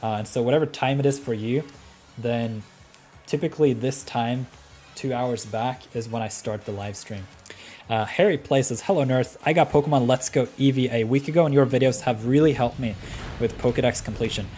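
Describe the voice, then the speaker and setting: A man's voice: mid-range voice, moderate pace, warm tone. Easygoing Norwegian man streaming games. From Norway. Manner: easygoing, chatty, with frequent ums and laughs. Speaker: livestream host. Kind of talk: live game commentary and chat reading. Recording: faint music behind the voice.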